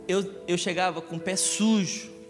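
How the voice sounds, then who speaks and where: A man preaches a Sunday sermon, joking often and asking the congregation questions. His voice sits high for a man. It carries a long church reverb, and music plays behind it. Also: steady tone, a little slow. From Rio de Janeiro, Brazil. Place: church hall.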